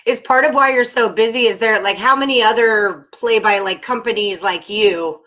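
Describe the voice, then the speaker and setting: A woman's voice: on the high side, moderate pace, pushed and bright. A woman co-hosting a casual podcast, friendly, asking questions and laughing easily. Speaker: podcast co-host.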